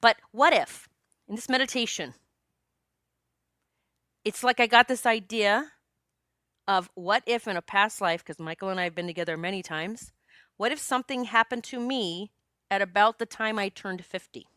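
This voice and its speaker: A woman in her late forties talks through a solo podcast episode. She is chatty and expressive, and her voice is bright and forceful. The sound is dry and close, with no room echo. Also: mid-range voice, moderate pace, long pauses, smooth. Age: 40s. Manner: chatty and expressive, jokes with listeners. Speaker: podcast host and psychic medium.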